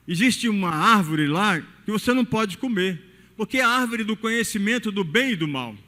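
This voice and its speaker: At an evening service in a cathedral, a pastor with a high-pitched, slightly bright voice delivers a sermon. His pitch swings widely up and down as he puts rhetorical questions to the congregation, and the large hall's long reverb carries his words.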